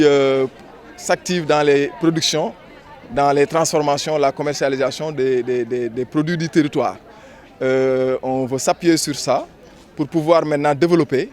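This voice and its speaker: A man with a Senegalese accent giving a deliberate, hesitant interview statement as a local organizer, explaining as he goes. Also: a little high, a little mellow.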